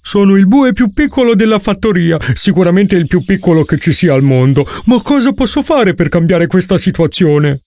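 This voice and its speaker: Sad little cartoon ox, high swooping voice, mournful, whining. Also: male voice, animated, normal speed, hardly any pauses, a little mellow. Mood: sad, complaining. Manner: complaining, mournful. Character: gloomy, whining small young ox. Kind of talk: children's cartoon voice acting.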